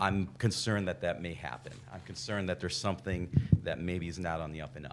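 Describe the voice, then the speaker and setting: Talking at a very fast pace, a man with a very deep, low voice lets vocal fry creep in. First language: not English (English is his third language). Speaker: resident speaking at public comment. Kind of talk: public comment at a zoning hearing. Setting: public meeting. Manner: halting, stammering.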